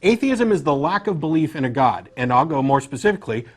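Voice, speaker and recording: A man hosts a call-in debate show. His voice sits a little high, and he argues in an assertive, blunt way, interrupting to press his point. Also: sing-song, fast. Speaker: talk show host.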